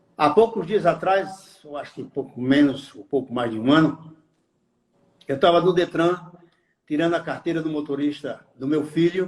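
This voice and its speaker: A man in an unremarkable speaking voice, fairly high in pitch with ordinary pitch variation, at a moderate pace. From Northeast Brazil, Pernambuco (Recife). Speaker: retired teacher and college academic director. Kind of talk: interview storytelling. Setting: live stream interview.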